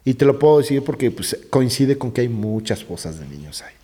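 Speaking a little fast with a slightly rough voice, this middle-aged Mexican-accented man is a gravedigger guest animatedly recounting ghost stories in conversation. He paints scenes vividly, frequently dropping to hushed low tones, captured with roomy reverb.

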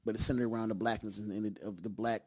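A man's voice: on the low side, steady tone, fast talker, a little mellow, slightly rough. A man from Detroit with an African American accent, talking casually and emphatically, repeating himself and checking he is understood. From Detroit, United States. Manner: emphatic and repetitive, with frequent checking tags. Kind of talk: casual conversation.

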